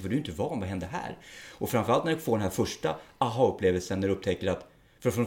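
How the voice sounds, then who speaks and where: A man's voice: lowish voice, darkish tone. A middle-aged man, a police officer, speaking frankly and bluntly in a casual interview, with the odd curse word. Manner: frank and blunt, plain-spoken with occasional swearing.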